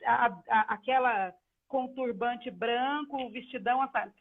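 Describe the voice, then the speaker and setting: A Brazilian woman interviewing casually on an online live call, often halting as she searches for words. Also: on the high side, a little hiss or hum. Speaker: journalist, interviewer. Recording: tinny phone-like call audio.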